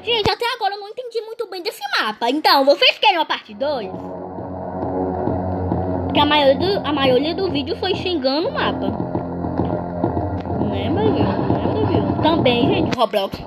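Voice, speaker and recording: A woman with a Brazilian accent giving excited, exclamatory gameplay commentary to her viewers. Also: sits high, moderate pace, pauses often, loud music behind the voice. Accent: Brazilian Portuguese. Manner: animated, exclamatory, talks to viewers. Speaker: gaming video host.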